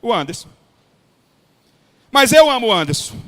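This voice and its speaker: A pastor from Ceará with a Cearense Brazilian accent, preaching a blunt, folksy sermon to other pastors. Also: male voice, extremely high pitch, very animated, moderate pace, a bit bright. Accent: Cearense Brazilian Portuguese. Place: large hall at a pastors' retreat. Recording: long hall reverb.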